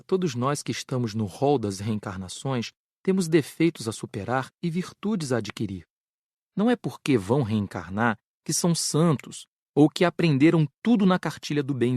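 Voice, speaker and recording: A man's voice: mid-range voice, a little mellow, dry recording, clean studio sound. A man playing a wise, patient spirit mentor in an audiobook, explaining things in a didactic, frank way. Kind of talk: dramatized audiobook dialogue.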